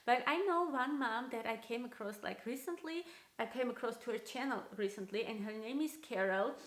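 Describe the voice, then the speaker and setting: A woman's voice: on the high side, normal speed. A woman in her thirties with a strong Armenian accent, chatting casually to camera as a vlogger with many fillers. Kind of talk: casual vlog talk to camera. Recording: echoey room.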